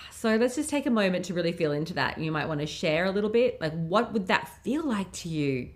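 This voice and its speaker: A woman hosting a motivational business podcast, sounding nasal and blocked up from a cold, gushing and affirming as she slows into guided reflection. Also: mid-range voice, animated. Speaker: podcast host and business coach.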